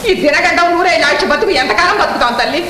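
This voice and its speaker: A woman's voice: very high voice, lively intonation, quick pace, bright, forceful tone, exaggerated voice. A woman acting an anxious, scolding, protective middle-aged mother in a Telugu film drama. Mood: pleading. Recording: very echoey, faintly noisy old film.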